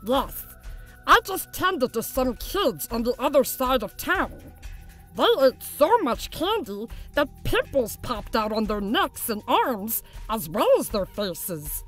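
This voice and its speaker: A cartoonish character voice speaks at a fairly high pitch and a fairly slow pace. Clear music plays in the background. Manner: warm, soothing, motherly.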